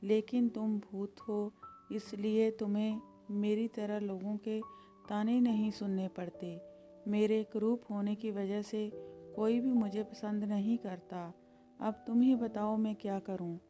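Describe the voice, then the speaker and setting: A woman's voice: mid-range voice, flat delivery, a little slow, warm tone, faint music behind, lightly acted. A woman voicing a sad young village girl in a storybook tale, pleading and emotional. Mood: hurt. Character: sad plain village girl, tearful and hopeful. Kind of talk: storybook character voice.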